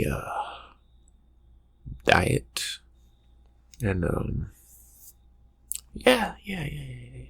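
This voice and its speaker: In an ASMR roleplay, a man voices a brooding, distracted young vampire friend who slyly teases the listener through improvised soft talk. He murmurs in a breathy, husky, gravelly low tone, his halting phrases trailing off evasively, and the voice is exaggerated.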